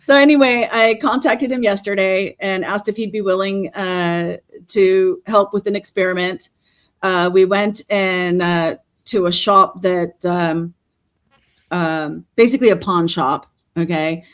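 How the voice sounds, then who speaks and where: A woman's voice: medium pitch, fairly even intonation, measured pace. A middle-aged woman from California, a guest on a livestream, chatting casually with lots of fillers and frequent laughs. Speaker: guest panelist.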